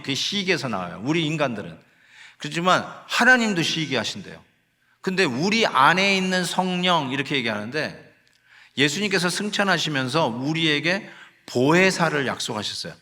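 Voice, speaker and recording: A man's voice: fairly high pitch, big pitch swings, normal speed, pushed and bright. A male pastor preaching a conversational sermon, slipping in English phrases and acting out short quoted pleas. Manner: acts out quoted sighs and pleas. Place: church sanctuary. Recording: long hall reverb in a sanctuary.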